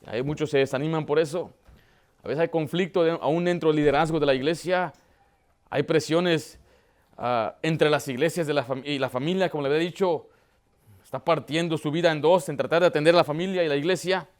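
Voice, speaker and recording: A man's voice: on the high side, a little fast. A middle-aged man preaching a sermon as a pastor, talking conversationally, acting out quotes and asking the congregation rhetorical questions.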